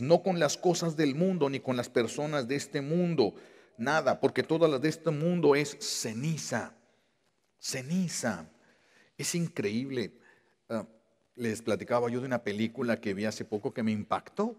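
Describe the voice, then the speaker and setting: Impassioned priest preaching in an echoing church. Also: male voice, mid-range voice, darkish tone. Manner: impassioned, repeating key phrases, stretching words out for weight. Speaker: Catholic priest. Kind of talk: sermon.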